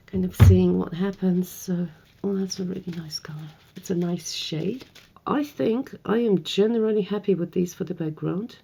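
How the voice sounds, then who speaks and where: A woman with a slightly hoarse, croaky voice hosts a painting tutorial, chatting and thinking aloud as she works. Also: mid-range voice, mellow, slight background noise, rough recording. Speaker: art tutorial host. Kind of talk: casual painting tutorial narration.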